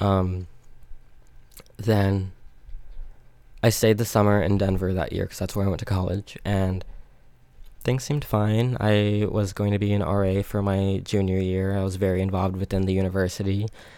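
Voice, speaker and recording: A man speaks with a fairly low pitch and a dark, mellow tone. His intonation is monotone and flat, broken by long, frequent pauses. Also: moderate pace. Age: 20s. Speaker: podcast host sharing personal faith story. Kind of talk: personal testimony monologue. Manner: casual, hesitant with frequent fillers and laughs.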